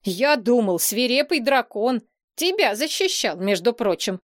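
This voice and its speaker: A woman's voice: a little high, big pitch swings, unhurried, no room sound, studio quality. A woman reading an audiobook, voicing a hot-headed boy prince who grumbles and defends himself. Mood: defensive. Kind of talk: audiobook character voice.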